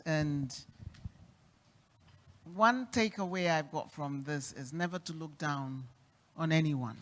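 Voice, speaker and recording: A minister moderating a forum panel, chatty and affirming as they thank and introduce speakers. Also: medium pitch. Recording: echoey hall.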